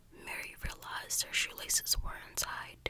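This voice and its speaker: The voice is a woman's whisper. She keeps a moderate pace amid noticeable background noise. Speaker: true crime ASMR youtuber. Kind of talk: true crime storytelling narration in ASMR style. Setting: home recording with street noise in background. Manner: whispered, soft-spoken.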